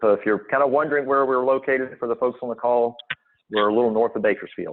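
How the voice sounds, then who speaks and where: A man at medium pitch, talking at a very fast pace with fairly even intonation. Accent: American. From US South, Mobile, Alabama. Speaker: prison healthcare executive. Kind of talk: interview.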